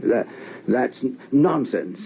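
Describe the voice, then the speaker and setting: Haunted middle-aged father, slow halting speech, gravelly, defensive, vintage radio drama. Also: medium pitch, lively intonation. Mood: defensive, agitated. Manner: halting, stammering, agitated. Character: haunted, nervous, evasive widowed father, weary and defensive. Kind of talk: old-time radio drama acting. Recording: dull, noisy old radio recording.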